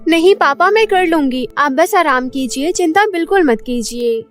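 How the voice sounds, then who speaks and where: A woman's voice: high voice, animated, moderate pace, soft background music. A woman voicing a sweet, dutiful young daughter from a poor family in a cartoon story, speaking earnestly. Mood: earnest, caring. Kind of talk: Hindi cartoon story dubbing.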